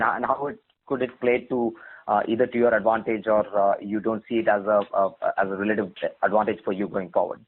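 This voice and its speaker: A man's voice: lowish voice, husky. A man with an Indian accent asking a wordy, deferential question as a financial analyst on a conference call. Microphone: phone line. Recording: muffled phone conference line.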